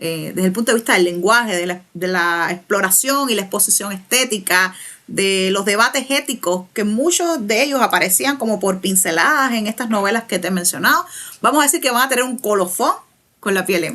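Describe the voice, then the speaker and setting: A woman with a Cuban accent, medium in pitch, with a bright, sharp tone, lively intonation, and a fairly quick pace. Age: 30s. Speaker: writer. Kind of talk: interview.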